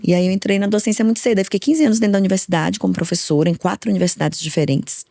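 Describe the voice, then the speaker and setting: A woman in her forties talks quickly and with energy as a guest on a podcast. She tells her stories in a lively way. The sound is dry and close to the mic. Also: medium pitch, gravelly, no room sound. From Brazil, from Minas Gerais, raised in Bahia. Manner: fast, lively storytelling. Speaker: guest, speech therapist. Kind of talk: podcast interview.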